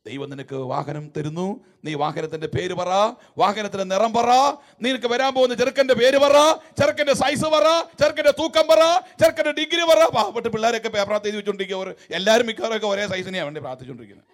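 A very high-voiced man preaches a sermon at a fast clip, swinging between loud, emphatic shouting and quiet, wry asides. Along the way he tells mocking, humorous stories.

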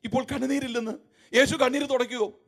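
An elderly, skeptical minister, as a man quotes him during a sermon. He mutters in a hushed, wry voice. The tone is dry and doubting. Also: extremely high pitch, fairly even intonation, fast talker, exaggerated voice.

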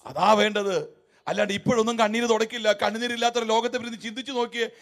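A man preaching a sermon in a very high voice. He swings between loud, emphatic shouting and quiet, wry asides. He tells mocking, humorous stories along the way. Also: steady tone, fast.

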